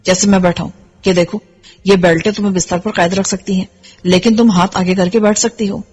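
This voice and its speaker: A woman voicing a captive young man who calmly reassures his companion, in a hushed, breathy way. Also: mid-range voice, faint music behind, close to an everyday voice. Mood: reassuring.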